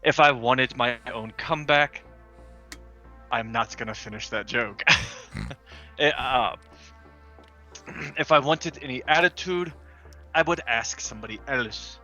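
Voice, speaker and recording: A man with a bright, forward voice takes part in a tabletop roleplaying game. He speaks dryly and deliberately, slipping between character and table chat, with music in the background. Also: mid-range voice, highs cut off.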